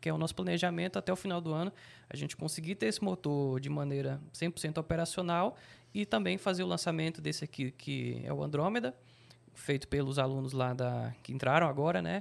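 The pace is fairly quick. Pitch swings very widely. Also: man, fairly high pitch for a man. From Bahia, Brazil (Guanambi). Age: 20s. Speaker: engineering student, rocket team captain. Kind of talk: casual chat. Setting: studio.

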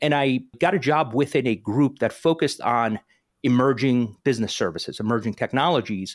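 Talking at a fairly quick pace, a man uses a medium pitch with ordinary pitch variation. The background is quiet. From northern New Jersey, US. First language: Greek. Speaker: podcast host and tech innovation strategist. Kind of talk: interview, casual conversation.

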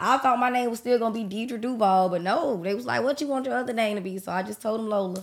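In a Southern US accent, a woman with a fairly high pitch speaks very fast with hardly any pauses and ordinary pitch variation, on a very clean recording with a silent background. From Jacksonville, Florida. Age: 20s. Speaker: reality show cast member. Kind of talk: casual chat.

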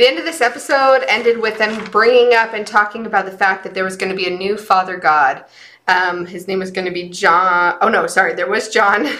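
Amid noticeable background noise, a woman with a medium pitch talks at a fairly quick pace with ordinary pitch variation. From US, raised in mainstream LDS community. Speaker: podcast co-host. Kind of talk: casual chat.

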